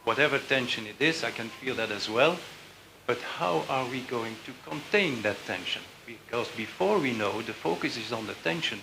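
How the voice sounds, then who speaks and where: A man's voice: mid-range voice, expressive, normal speed, creaky, background noise. A man putting a direct, blunt question to a panel from the audience. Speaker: audience member.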